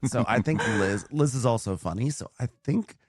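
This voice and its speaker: A man co-hosting a podcast, chatting casually and gossiping about reality TV, with halting restarts. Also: medium pitch, expressive, darkish tone, a little hiss or hum. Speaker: podcast co-host. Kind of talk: casual chat.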